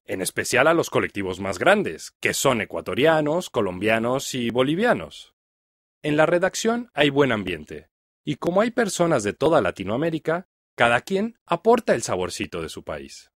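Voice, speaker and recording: A Mexican man with a Mexican accent reads a scripted first-person account for learners. His pitch sits mid-range but rises and falls a lot, and his delivery stays clear and measured. The sound is dry and close, as from a studio mic. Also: no echo. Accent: Mexican Spanish. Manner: clear, even read-aloud delivery. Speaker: reader of a listening text.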